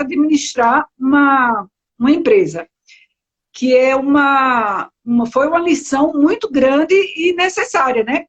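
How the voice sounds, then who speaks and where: The recording is muffled, and the speaker is a high-voiced woman with a Pernambuco accent from Recife, Brazil. She's an entrepreneur guesting on a casual live-stream interview, talking chattily with lots of fillers and self-corrections.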